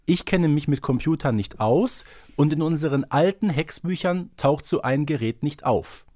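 A man's voice: on the high side, lively intonation, moderate pace, mellow, no echo, studio quality. A man co-hosting a podcast, explaining things casually and reflectively, with some hesitation. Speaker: podcast co-host. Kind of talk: casual, knowledgeable fan discussion.

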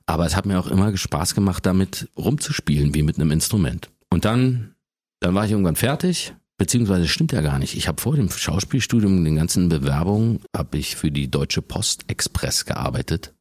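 A man in his forties with an extremely deep bass voice, telling stories casually as the guest in an interview. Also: animated, fairly quick, a little mellow, no room sound. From Germany.

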